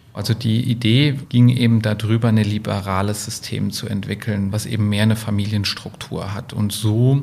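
The speech moves at a moderate pace in a flat, monotone way. Noticeable background noise sits behind it. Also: man. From Switzerland. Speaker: company CEO. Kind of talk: interview. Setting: company office.

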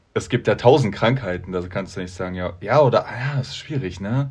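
A man speaks at a fairly quick pace, his voice somewhat breathy and his pitch variation ordinary. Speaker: podcast co-host. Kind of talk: casual chat.

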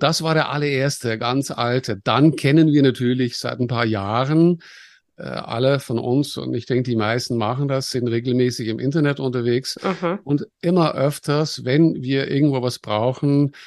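Over a quiet background, a man with a Dutch accent talks at a moderate pace and medium pitch. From Netherlands. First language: Dutch (speaking German). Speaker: AI consultant. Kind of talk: interview. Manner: halting, many fillers.

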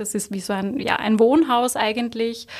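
Her voice is high for a woman, and this woman's pitch variation is ordinary. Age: 20s. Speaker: physiotherapist and practice owner. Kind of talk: casual chat.

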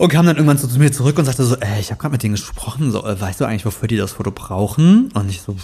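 Speaking at a very fast pace, a man uses ordinary pitch variation. Noticeable background noise is present. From Trier region, western Germany. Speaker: podcast co-host. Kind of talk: casual chat.

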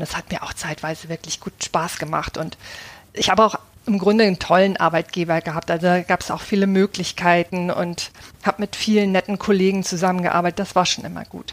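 A woman speaks fairly quickly at a medium pitch, with fairly even intonation. It is a normal speaking voice. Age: 50s. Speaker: former bank employee changing careers. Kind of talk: interview.

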